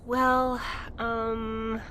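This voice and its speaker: A high, tentative voice of an anxious young woman in an audio drama. She is gentle and conciliatory, heard over faint noise. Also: little pitch movement, very slow, heavily acted. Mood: hesitant.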